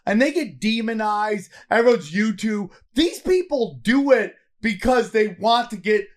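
A man's voice: sits high, expressive, a little slow. Mocking, foul-mouthed podcast co-host man. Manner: mocking, profane, talks over the other host. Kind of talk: casual debate chat.

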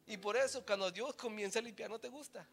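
A man with a Latino Spanish accent preaching a bilingual sermon as a pastor, mixing English into his Spanish and swinging between loud, forceful passages and quiet, low emphasis. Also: quick pace, vocal fry. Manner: switches between Spanish and English mid-sentence.

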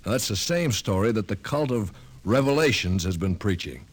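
An actor in a 1950s radio drama playing a brash, pushy newspaper reporter with insistent, colloquial talk. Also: male voice, lowish voice, expressive, moderate pace, breathy edge.

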